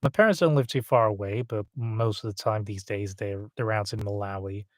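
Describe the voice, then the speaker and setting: A British man with a hint of American in his accent, a voice actor chatting on a live stream, halting with many fillers. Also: lowish voice, no room sound. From England. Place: home studio.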